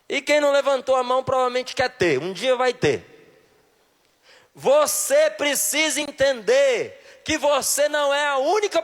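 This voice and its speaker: A man from Brasília with a Brasília accent, preaching a sermon and questioning a live audience directly and emphatically. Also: extremely high pitch. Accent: Brasília Portuguese. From Brazil, Brasília. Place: large hall with a live audience. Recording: long reverb of a large hall.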